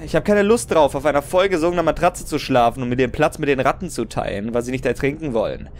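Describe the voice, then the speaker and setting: A man's voice: mid-range voice, expressive, fast talker, a little hiss or hum, lightly acted. A man playing a jaded but comradely veteran soldier in an audio drama, blunt and resigned. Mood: grumbling.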